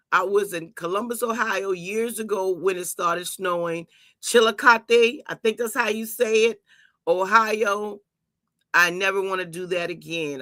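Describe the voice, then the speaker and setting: A raspy, tired-sounding woman in middle age hosts a casual livestream, talking in a chatty, rambling way full of quick asides. Her voice has a bright, forceful edge despite its slightly deep rasp. The sound is dry and close, with almost no room around it. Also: no echo. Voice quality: raspy and a little deep today. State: tired from an early start. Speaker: pastor and channel host.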